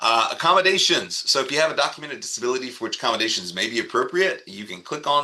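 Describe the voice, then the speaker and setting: An American accent carries through as a man talks at a very fast pace. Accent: Alabama accent shows sometimes. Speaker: college English instructor. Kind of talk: recorded class introduction video. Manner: casual, conversational with fillers.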